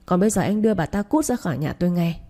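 A woman's voice: fairly low pitch, lively intonation, very fast, dark tone. A woman voicing a furious young wife who orders people out of her house in a harsh, commanding way.

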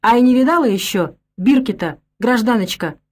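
A woman's voice: medium pitch, animated, moderate pace, darkish tone, lightly acted. Grumbling old village man, wary and folksy, storybook voice, read by a woman. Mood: wry.

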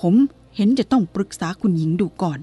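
A woman's voice: mid-range voice, expressive, fairly quick, mellow, breathy edge, dry recording. A woman voicing an anxious government minister who speaks politely and deferentially.

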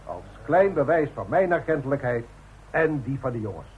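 An actor playing a hearty, formal boss in a Dutch radio play, jovial and oratorical. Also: male voice, medium pitch, very animated, normal speed, natural voice. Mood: warm, solemn. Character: hearty, formal male boss giving a speech. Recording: noisy, tinny, narrow-band old radio recording.

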